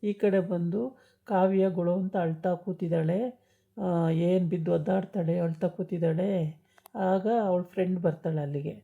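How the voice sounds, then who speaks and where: A woman's voice: lowish voice, fairly even intonation, measured pace, creaky. A woman chattily retelling a TV serial episode, with many hesitation sounds. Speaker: storyteller recapping a TV serial. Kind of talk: casual story retelling. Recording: dull lo-fi recording.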